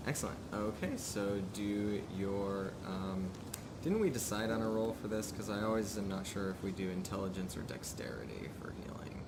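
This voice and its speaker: A man improvising narration as game master of a tabletop game, halting and pausing mid-sentence. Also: lowish voice, expressive. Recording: live stream with clear background noise.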